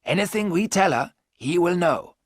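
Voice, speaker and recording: A man playing an older professor in a storybook, firm and measured as he lays out his plans. His pitch sits a touch above the narrator's own and moves lively. The sound is dry and close. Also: dry recording.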